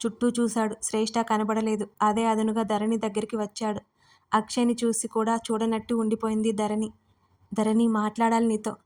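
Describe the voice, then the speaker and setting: A woman storyteller narrates a scripted romance in a steady reading voice. Her pitch is a little high and barely moves, keeping an even tone line after line. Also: brisk.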